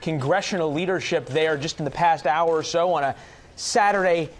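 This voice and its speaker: A man's voice: fairly high pitch, moderate pace. An American man working as a news anchor, conducting a live political interview.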